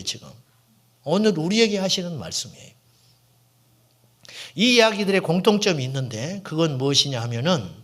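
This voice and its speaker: A middle-aged man preaches from the pulpit in a fairly high voice that rises and falls with a lot of life. He asks his listeners questions and answers them himself. At moments he sinks into a soft, hushed whisper to press a point home. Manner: drops to a hushed, whispered tone for emphasis. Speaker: senior pastor. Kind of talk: sermon.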